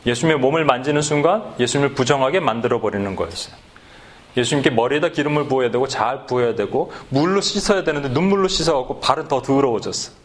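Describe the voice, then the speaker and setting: Korean pastor telling a story animatedly. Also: male voice, medium pitch, fast talker, a little hiss or hum. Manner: animated storytelling, acts out voices, then leads sung worship. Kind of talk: sermon with acted skit retelling. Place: church sanctuary.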